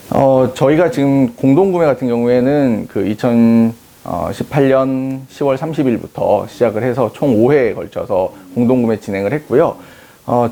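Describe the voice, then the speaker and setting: A man in his thirties, a company head, answering interview questions in a measured, explaining way with frequent hesitation fillers. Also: fairly low pitch, gravelly, dark tone. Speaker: company CEO interviewed on art investment.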